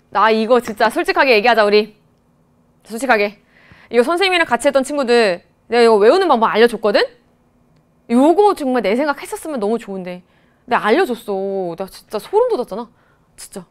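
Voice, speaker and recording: Chatty woman teacher going over exam answers, kinda high voice, animated, acts out her students. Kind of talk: exam explanation lecture. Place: studio.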